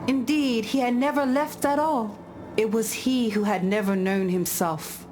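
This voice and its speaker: An actress playing a solemn tribal woman who tells ancestral fables in a measured, grave, deliberate way for a video game. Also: on the high side, fairly even intonation, music in the background, lightly acted. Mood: gentle wonder. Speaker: game character storyteller. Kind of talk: scripted storytelling of parables.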